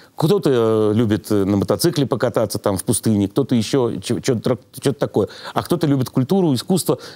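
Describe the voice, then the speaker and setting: With a dark, mellow tone and lively intonation, a man speaks at a fairly quick pace over a quiet background. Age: 60s. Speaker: jazz pianist; guest. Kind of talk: interview. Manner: halting, with filler sounds. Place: studio. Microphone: lapel.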